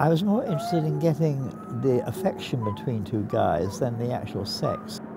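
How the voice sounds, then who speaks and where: Over background music and audible room echo, a man with a medium-pitched voice speaks at a moderate pace, his pitch swinging very widely. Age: 80s+. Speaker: film director. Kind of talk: interview. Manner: halting.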